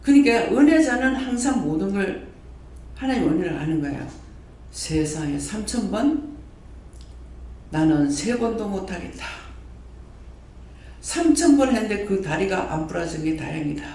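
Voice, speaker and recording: A male pastor, preaching a sermon with animated repetition and frequent questions to his congregation. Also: high voice, moderate pace, pauses often. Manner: animated preaching, repeats phrases, quizzes the congregation. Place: church prayer hall. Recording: very echoey hall, mic far off.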